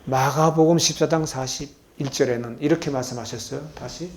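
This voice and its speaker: A man preaching a sermon as a pastor to a congregation at a healing retreat center. He asks the congregation questions and swings between loud and soft. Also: medium pitch, fairly even intonation, fairly quick. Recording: echoey hall.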